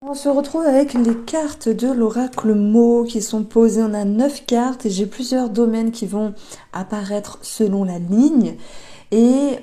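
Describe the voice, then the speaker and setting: Lady doing a tarot reading, super dark warm voice, lots of ums and restarts. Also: on the high side, measured pace. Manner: gentle, hesitant, many fillers and restarts. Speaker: tarot reader.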